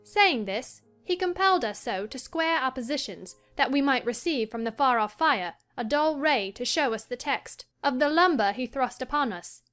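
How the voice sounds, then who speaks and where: A woman reading the part of a headstrong young girl recounting her diary with lively indignation. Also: high voice, normal speed, few pauses, soft background music. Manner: lively, indignant first-person storytelling. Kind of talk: dramatized audiobook reading.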